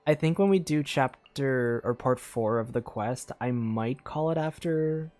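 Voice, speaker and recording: A tired man doing casual live gameplay commentary, thinking aloud in a low-key, meandering way. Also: a little slow, darkish tone, faint music behind. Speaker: game streamer.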